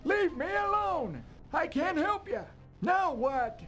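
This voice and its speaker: A crazy old hermit from an adventure game, cranky and half deaf. The voice is extremely high and cracked, swinging wildly in pitch as it hollers in a slow, drawn-out codger's manner. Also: male voice, very animated, fairly bright tone, faint music behind, heavily acted. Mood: irritated, shooing. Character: crazy cantankerous old hermit, senile and hard of hearing. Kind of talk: adventure video game character acting.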